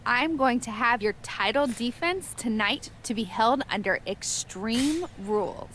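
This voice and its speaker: A woman voicing a brisk, businesslike female general manager in a video game. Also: a little high, lively intonation, a bit bright, slight background noise.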